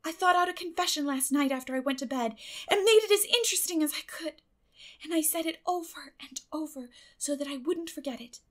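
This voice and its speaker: Woman acting a storybook orphan girl, high-pitched, dramatic, gushing, flowery, imaginative. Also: a little fast, close to an everyday voice. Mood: weary, explaining.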